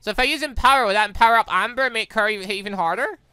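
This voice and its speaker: Racing along in a sharp, clean mid-range voice, this let's play host gives excitable, rambling commentary, reasoning through each move and reading dialogue aloud. The dry recording puts his voice close over game music.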